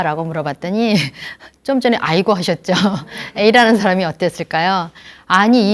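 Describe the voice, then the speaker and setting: A woman lecturing grandparents in a gentle, explanatory way, often asking the audience questions. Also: on the low side.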